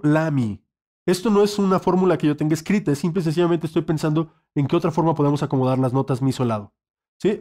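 A man's voice: a little high, a little mellow. A male saxophone teacher, giving an online lesson and checking in patiently with the student.

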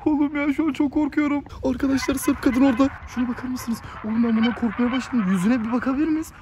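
A young man hosting a night-time horror vlog outdoors, excitable and panicky, often shouting and speaking straight to his viewers. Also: very high voice, quick pace, background noise. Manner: keeps addressing viewers as friends. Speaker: YouTuber host.

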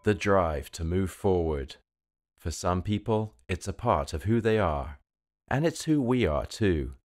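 A British man delivering polished commercial voice-over with measured, deliberate phrasing. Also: low-pitched, expressive, a little mellow. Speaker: voice-over artist.

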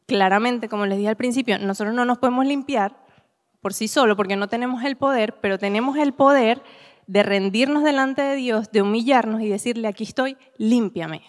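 A young woman preaching a sermon in a church, telling personal stories to her congregation in a conversational, expressive way. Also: on the high side, a little fast. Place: church hall. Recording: long church-hall reverb.

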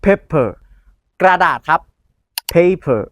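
A middle-aged man teaching English pronunciation in a short video lesson, drawing out model words slowly for students to repeat. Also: fairly high pitch, expressive, pushed and bright, a little hiss or hum. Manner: slow, drawn-out model pronunciations for the class to repeat.

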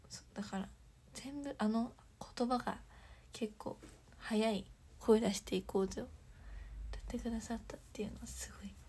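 A young woman chatting on a livestream, reading viewer comments and thanking fans, bubbly and chatty with soft whispery asides. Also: a little high, breathy edge. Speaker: idol livestreamer.

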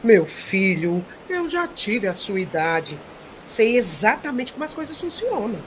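A woman's voice: medium pitch, very animated, a little slow, slight background noise, poor audio. A Brazilian woman playing an earnest male hero and father in an audio drama. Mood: knowing.

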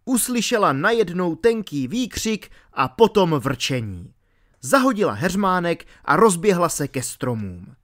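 A man narrating an audiobook in a lively, expressive way. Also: high voice.

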